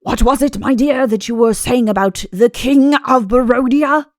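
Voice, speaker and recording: A woman voicing a pompous, fussy fairy-tale king and doting father in a comic audiobook, with mock-innocent, deliberate phrasing. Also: fairly high pitch, dry recording, studio quality, voice pushed up, natural voice. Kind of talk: audiobook comic character acting.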